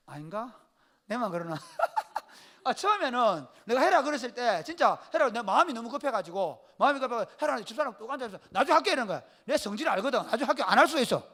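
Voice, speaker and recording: A pastor with a Gyeongsang accent delivers a folksy sermon, joking with his congregation and calling on people by name. His voice sits high for a man and swings widely in pitch, with a bright, sharp edge. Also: fast talker. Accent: Gyeongsang Korean. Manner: lively storytelling, calls on listeners by name; colloquial, jokes with the congregation.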